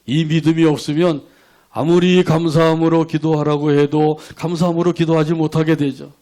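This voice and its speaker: Korean pastor preaching with rhetorical questions. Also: male voice, a little high, flat delivery, normal speed, dark tone. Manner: leads congregation in call-and-response verse reading; asks rhetorical questions, acts out quoted prayers. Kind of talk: sermon.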